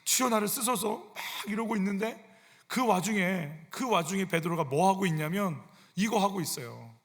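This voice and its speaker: In a church sanctuary, a senior pastor with a high-pitched voice preaches at normal speed. He keeps it conversational, frequently posing rhetorical questions to his congregation, and the recording carries a long church hall reverb.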